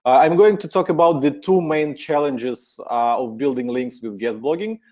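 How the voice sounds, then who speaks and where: A man with a Ukrainian accent presenting a webinar in a relaxed, friendly way, with many filler uhs. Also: medium pitch, moderate pace.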